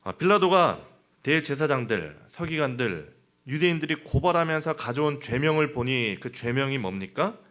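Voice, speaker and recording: A man's voice: mid-range voice, big pitch swings, normal speed, a bit bright. A man preaching a midweek sermon, talking in a conversational way with rhetorical questions and small fillers. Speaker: pastor.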